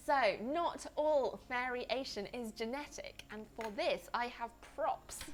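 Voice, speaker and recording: Noticeable background noise sits behind a woman who speaks at a very slow pace in a high pitch. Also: ordinary pitch variation. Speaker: science YouTuber teaching an online course. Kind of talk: livestream lecture. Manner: casual, chatty with fillers.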